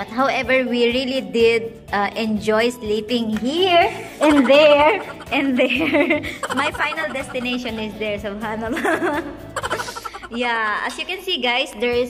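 Clear music plays in the background. A woman speaks with ordinary pitch variation. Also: fairly slow pace. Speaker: vlogger. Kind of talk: casual vlog chat. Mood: cheerful, laughing. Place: home room. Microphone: phone near.

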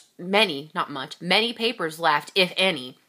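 A woman speaks at a fairly slow pace over a quiet background. Her medium-pitched voice has a bright, sharp tone. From Pennsylvania. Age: 30s. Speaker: couponing YouTuber. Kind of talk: casual Q&A vlog. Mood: friendly, animated. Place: home room. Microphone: phone near.

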